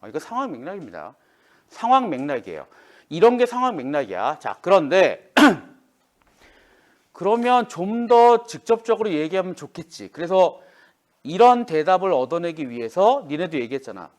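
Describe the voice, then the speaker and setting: A man's voice: high voice, normal speed. A man teaching a classroom lesson, speaking informally to students and acting out quoted lines. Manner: lively, acts out quoted lines. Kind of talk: classroom lecture.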